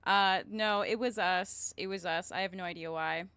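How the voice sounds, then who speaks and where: A woman's voice: on the low side, fairly even intonation, normal speed, fairly bright tone, clean tone, no room sound. A woman hosting a stream, chatting casually as she introduces things to viewers. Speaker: stream host. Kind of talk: casual chat, introducing guests.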